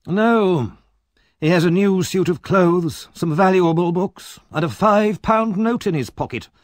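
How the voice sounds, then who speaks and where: A man voicing a fierce, argumentative old gentleman who scoffs gruffly. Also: sits high, animated, measured pace, dry recording, clean studio sound, voice pushed up. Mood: scoffing.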